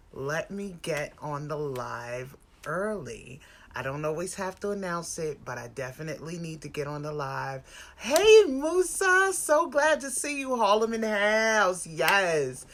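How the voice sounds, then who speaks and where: A woman's voice: deep voice, fairly bright tone. American woman in her forties, chatting emphatically. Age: 40s. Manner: conversational, emphatic, repeats phrases for stress. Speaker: spiritual lifestyle live-stream host. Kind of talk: casual motivational live-stream chat.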